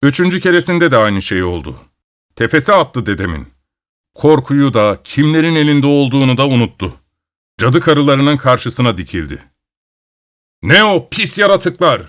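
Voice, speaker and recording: A man reading a folk tale aloud with expressive delivery. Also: medium pitch, moderate pace. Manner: expressive, shifting voices for characters. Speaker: storyteller. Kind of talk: dramatic story reading.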